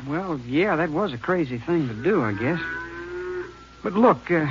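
An actor playing a nervous young small-town American man in a 1950s radio drama, halting and uneasy. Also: on the high side, lively intonation. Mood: pleading. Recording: muffled, slightly noisy old radio recording.

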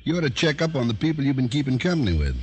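An actor playing a blunt, sardonic police lieutenant in a 1940s-style radio drama, with music underneath. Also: male voice, medium pitch, big pitch swings, racing, natural voice. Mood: dry. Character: gruff police lieutenant, male, dry.

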